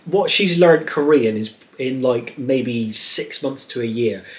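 A man's voice: medium pitch, takes it slowly. A man in his thirties with an English accent, casually chatting as co-host of a family vlog from his living room sofa, filmed by a camera a few feet away. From England. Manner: chatty, explains things with gestures, laughs lightly. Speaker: channel co-host. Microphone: fixed camera a few feet away.

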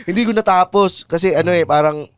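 Male comedy podcast co-host, slightly high voice, self-deprecating and jokey, dry close sound. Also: fast talker, clean tone, no room sound. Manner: joking, self-mocking, laughs often. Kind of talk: casual comedic chat.

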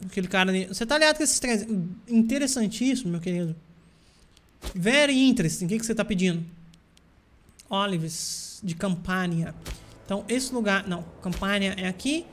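A gameplay streamer with a Brazilian Portuguese accent plays a strategy game, giving casual commentary to himself and his viewers with bursts of exasperation. His voice is high-pitched, expressive and fairly bright, and he talks fairly quickly.

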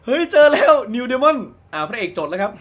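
Brief: male let's-play commentator, high and bouncy, excitable, explains everything as he plays. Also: quick pace. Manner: excitable, translates and explains game dialogue aloud. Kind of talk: casual gameplay commentary.

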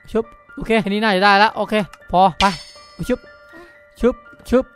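A gaming video host with a high voice gives excited, improvised commentary at normal speed, exclaiming and repeating urgent calls while music plays behind him.

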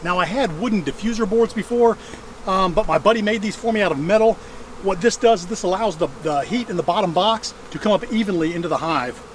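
A middle-aged hobbyist beekeeper chats to the camera in a fairly high voice, exclaiming and restarting his sentences. He is recorded outdoors from a camera a few steps away, with a faint hum of insects and yard noise behind him. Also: brisk. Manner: chatty, exclaims, restarts and repeats himself. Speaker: hobbyist beekeeper and channel host. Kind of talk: casual how-to vlog. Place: outdoors in a wooded backyard apiary. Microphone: camera on a tripod at a distance.

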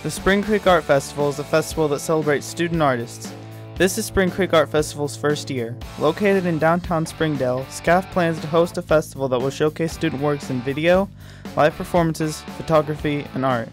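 A man narrating a short documentary from a script, in an even read-aloud manner. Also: on the high side, a little fast. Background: light music.

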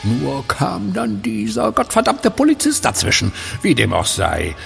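An actor playing a sadistic werewolf clinic director in a horror audio drama, with a gravelly voice and a theatrical, mockingly polite manner. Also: male voice, high-pitched, wildly swooping pitch, measured pace, a bit bright, soft background music, full character voice. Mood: smug, menacing.

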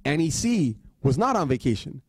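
Animated man telling a story. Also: on the high side, normal speed, breathy edge, dry recording, studio quality. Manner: animated, swings between loud and hushed. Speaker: guest speaker. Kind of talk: storytelling talk.

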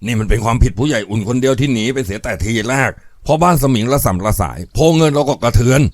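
A troubled middle-aged gang boss, as a man puts him on, gruff and bitter, talking quickly. The sound is dry and close. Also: medium pitch, dry recording, natural voice.

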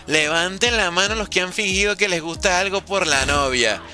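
A young man chatting jokily with his stream chat while playing, with sudden animated outbursts. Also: high voice, moderate pace, soft background music. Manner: jokey, reads and answers chat, animated outbursts. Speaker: gaming streamer.

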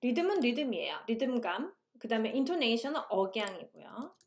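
A woman lecturer explaining English teaching, switching between languages and reading English passages aloud slowly. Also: a little high, sing-song. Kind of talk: recorded online lecture.

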